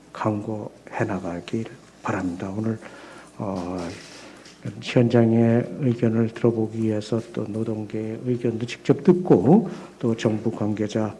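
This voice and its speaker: Mellow-voiced man giving formal remarks. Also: medium pitch. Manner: measured, frequent hesitation fillers. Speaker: opening speaker at a policy seminar. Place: seminar hall.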